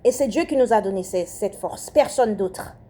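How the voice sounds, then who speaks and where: A woman's voice: medium pitch, animated, moderate pace, mellow. A young Haitian-born woman with a French accent giving a fervent spoken prayer message, repeating phrases and often restarting her sentences. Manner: fervent, repetitive, with hesitations and restarts.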